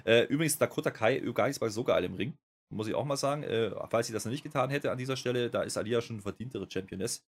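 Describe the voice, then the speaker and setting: A man's voice: mid-range voice, fast. A man co-hosting a wrestling review podcast, chatting casually, often working himself into a rant with many fillers. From Germany. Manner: animated, ranting with many fillers. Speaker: podcast co-host. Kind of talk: casual chat.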